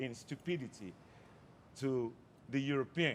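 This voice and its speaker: A speaker with a Nigerian accent talks at a fairly slow pace. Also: man. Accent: Nigerian (Yoruba) English. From Nigeria, Lagos. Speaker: drummer. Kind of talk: personal introduction at live event. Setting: outdoor courtyard event. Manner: halting.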